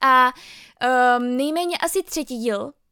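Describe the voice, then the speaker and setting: A woman raises and projects her high-pitched voice in a bright, sharp tone. The sound is dry and close, with no echo. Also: very clean recording, silent background. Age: 20s. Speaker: podcast host, journalism student. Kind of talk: casual solo monologue. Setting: at home in her room.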